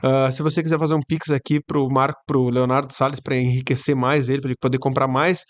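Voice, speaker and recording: A YouTube reaction host with a medium-pitched, fairly flat voice talks fast as he comments on a sermon. His tone is casual and sarcastic, full of chatty asides.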